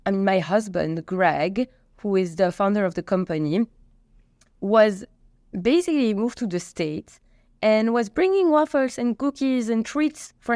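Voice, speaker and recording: A woman in her thirties from Belgium with a Belgian accent, chatty and animated as she answers interview questions. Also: mid-range voice, no echo, studio quality. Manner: chatty, animated storytelling with restarts. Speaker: company co-founder and CEO.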